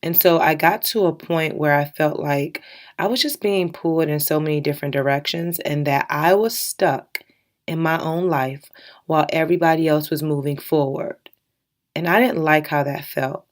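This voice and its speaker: A low-pitched woman in her thirties talks straight to her listeners on a self-help podcast. Her voice carries a slight morning rasp, and she speaks with candid, encouraging warmth, breaking into light laughs. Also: moderate pace. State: slightly raspy from early morning. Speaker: podcast host.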